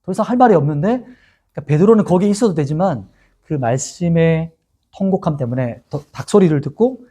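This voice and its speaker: Male pastor, middle-aged, Gyeongsang-raised, husky and mellow, dramatic storyteller. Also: a little high, brisk. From Gyeongsang region, Korea. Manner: animated storytelling, acting out quoted lines. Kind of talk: sermon.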